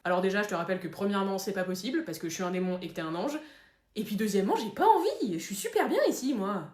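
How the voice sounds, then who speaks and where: Smug teasing demon, lower and dry, a woman acting it, roomy sound. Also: expressive, fast talker, darkish tone, natural voice. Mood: dismissive. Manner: mocking, dismissive.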